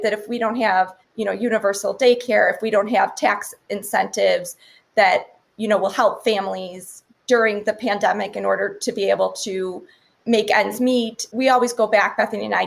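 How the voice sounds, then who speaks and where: A forty-one-year-old woman speaks with heavy vocal fry and a mid-range voice. She talks in a thoughtful, measured way and often adds "you know" and "right.". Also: medium pitch. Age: 40s. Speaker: podcast guest, researcher. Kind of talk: casual podcast conversation.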